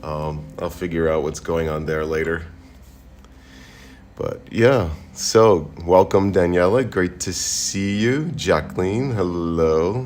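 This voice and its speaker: Amid audible room echo, a man speaks very slowly in a very deep, low pitch with ordinary pitch variation. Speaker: psychic medium. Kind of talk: live stream spirit session. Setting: live stream. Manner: casual, filler-heavy.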